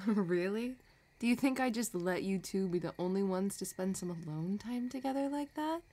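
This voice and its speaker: A woman playing a possessive, scheming villain in a romantic audio roleplay, talking in a soft, teasing, calculating way. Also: medium pitch, lively intonation, normal speed. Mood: wary, impatient. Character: possessive, scheming female villain obsessed with her crush.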